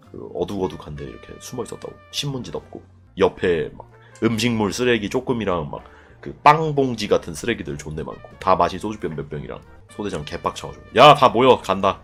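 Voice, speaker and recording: A young man casually telling a live chat a story from his army days, profane and animated, acting out voices with loud bursts. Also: sits low, brisk, creaky, soft background music. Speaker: streamer telling army stories.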